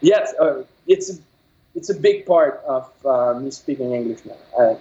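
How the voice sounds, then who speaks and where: Halting Québécois French-accented man, muffled. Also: medium pitch, lively intonation, dark tone. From Quebec, Canada. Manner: halting, many fillers and restarts while searching for words. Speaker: game developer guest. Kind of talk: casual interview. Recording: dull lo-fi audio.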